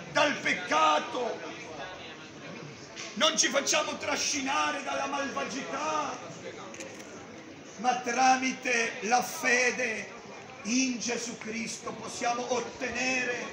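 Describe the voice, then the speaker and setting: A middle-aged man preaching loudly on a busy town street, declaiming and gesturing, filmed from a distance by a camera. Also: extremely high pitch, steady tone, takes it slowly, long pauses. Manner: loud, declaiming, gesturing with a Bible. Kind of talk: open-air street preaching. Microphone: far camera. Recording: echoey street with crowd noise. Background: crowd and passers-by.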